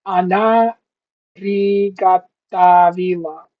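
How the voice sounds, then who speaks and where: A young man thinking aloud in a casual study vlog, rambling and slowly sounding out foreign words. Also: high-pitched, steady tone. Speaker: language learner vlogger. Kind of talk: casual self-talk while studying. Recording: dull lo-fi recording.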